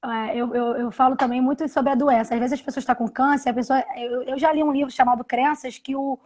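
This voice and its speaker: A woman in her thirties telling a personal story on a live video call, halting, with many restarts and repeated words. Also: sits high, steady tone, a little mellow. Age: 30s. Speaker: interview guest. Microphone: video call from home.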